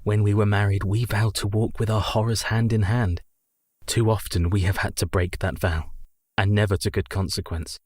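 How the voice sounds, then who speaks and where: A man playing an earnest, low-voiced young husband. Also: fairly even intonation, dry recording, studio quality, natural voice. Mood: tender. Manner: earnest, measured and resolute. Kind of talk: community radio play acting.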